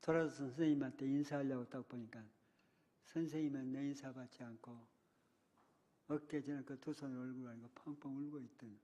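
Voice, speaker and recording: Older preacher in an echoing church. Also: male voice, medium pitch, steady tone, a little fast, dark tone. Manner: dramatic retelling, voicing childhood cries and a teacher's words. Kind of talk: sermon storytelling. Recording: long reverb of a church hall.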